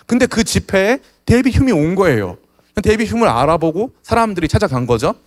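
A male pastor preaching a sermon to a youth congregation, emphatic and animated, with playful asides. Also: sits high, fast talker.

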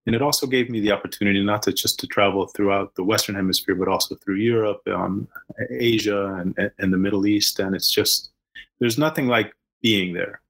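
In a rough recording, the same kind of guest, an Argentine-born, US-raised founder in his early fifties, keeps restarting and filling gaps as he talks. He speaks briskly in a fairly low, fairly bright voice with vocal fry.

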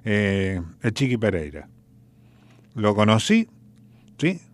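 A man's voice: on the low side, very animated, slow pace, no echo. Argentine guy hosting radio, chatty folksy rambling stories. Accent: Argentine Spanish. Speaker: radio host. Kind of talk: casual radio chat.

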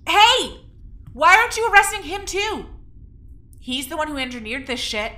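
A woman's voice: sits high, big pitch swings, normal speed, bright, forceful tone, heavily acted. A woman playing a defiant, fiercely loyal young prisoner in an audio drama, blunt and impassioned. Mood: furious accusation. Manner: blunt, foul-mouthed, impassioned.

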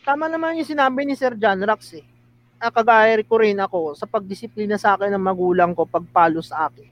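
A man's voice: sits high, fairly quick, low-quality recording. A man in a casual talk show, speaking earnestly and calling the others "sir". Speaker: show regular. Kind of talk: casual chat.

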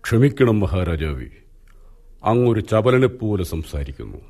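A man playing the wise royal advisor Vidura in a radio play, grave and measured as he admonishes the king. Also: on the low side, sing-song, a little mellow, heavily acted. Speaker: radio drama actor. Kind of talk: 1980s Malayalam radio drama acting.

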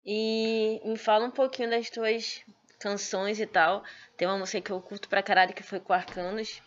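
A woman's voice: mid-range voice, flat delivery, moderate pace. A woman from Manaus hosting a podcast interview, casual and blunt, swearing freely. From Manaus, Brazil. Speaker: podcast host. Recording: dull lo-fi audio.

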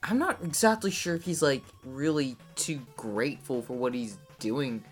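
A woman co-hosting a casual podcast, breaking in with wry and thoughtful remarks. Her voice is extremely deep for a woman yet moves up and down freely. Faint music hums behind her. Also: lively intonation, moderate pace. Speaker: podcast co-host. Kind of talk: casual chat.

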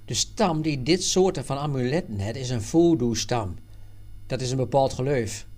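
A man reading aloud and voicing Jan, an adult man and worldly former trader who explains things earnestly and loudly. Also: mid-range voice, animated, moderate pace, lightly acted.

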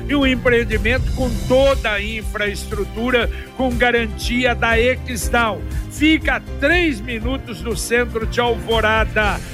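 A man's voice: extremely high pitch, measured pace, hardly any pauses, over music. A man reading a hard-sell live radio ad as an emphatic salesman. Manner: emphatic salesman, repeats the phone number. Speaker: radio news presenter.

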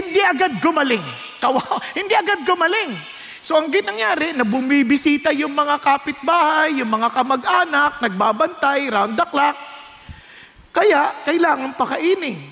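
A man preaches an animated sermon in a very high, bright voice, drawing the congregation in with a story. His voice rings out with a long reverb in a large church hall. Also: vocal fry. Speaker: pastor.

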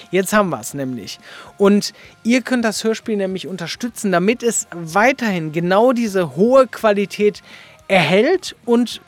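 A man's voice: high voice, no echo. A man hosting a casual podcast interview in a jokey, slangy, informal way. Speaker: podcast host.

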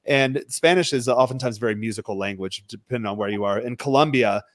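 A man, a dating coach and podcast guest, explains his methods in a measured, lecturing way. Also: medium pitch, dry recording, studio quality. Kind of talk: podcast conversation.

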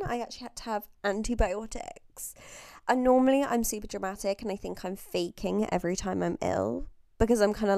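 A woman's voice: medium pitch, vocal fry, darkish tone, dry recording, clean studio sound. A young woman with an Australian accent hosting a casual solo podcast, chatty and self-mocking, swearing freely while getting over a chest infection. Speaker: podcast host.

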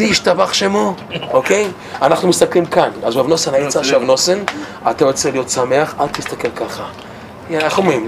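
A man giving a Hasidic Torah class in an animated way, stammering, repeating words and laughing as he tells stories. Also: fairly high pitch. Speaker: Torah teacher.

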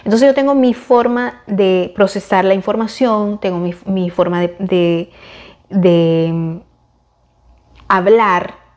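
A woman's voice: mid-range voice, fairly even intonation, slow pace, a little mellow. Female podcast host, reflective solo monologue, earnest and thorough, mid-range voice. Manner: earnest, explanatory, long-winded. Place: lives in the United States.

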